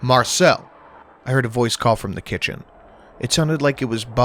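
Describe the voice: Ordinary pitch variation in plain reading aloud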